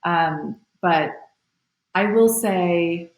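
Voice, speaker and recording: Low-voiced woman, reflective podcast guest. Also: very slow, echoey room. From Taiwan. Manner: reflective, many fillers. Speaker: guest, nonprofit founder. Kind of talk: podcast interview.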